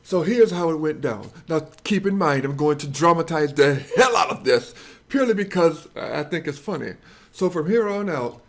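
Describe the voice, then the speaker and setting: A man's voice: a little high, expressive, normal speed. A man hosting and narrating a dramatized comic story in a crude, sarcastic, mock-dramatic way. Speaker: host and storyteller.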